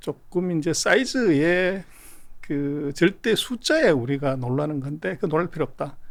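A man with an unremarkable speaking voice talks at a fairly slow pace. His pitch is fairly high, and his intonation lively. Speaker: economist, China economy researcher. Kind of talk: interview, expert analysis.

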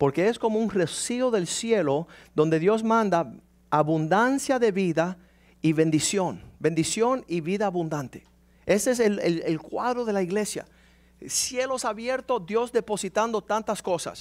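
A man with a high voice speaks at a fairly slow pace. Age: 40s. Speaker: guest preacher. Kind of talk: sermon. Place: church. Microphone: handheld.

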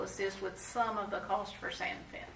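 A woman's monotone, flat delivery at a fairly quick pace, with audible room echo and light background noise. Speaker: town staff reporting to board. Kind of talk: meeting report. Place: meeting room.

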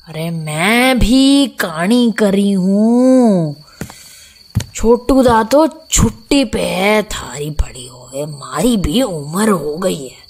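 The speech moves at a very slow pace. Its pitch swings very widely. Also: woman, medium pitch for a woman.

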